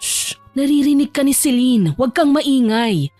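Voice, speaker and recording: A woman plays a cautious, protective older sister in an audio drama. She speaks in a measured way, soothing yet admonishing. The sound is dry, with music behind. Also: mid-range voice, darkish tone, dry recording, natural voice. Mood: alarmed.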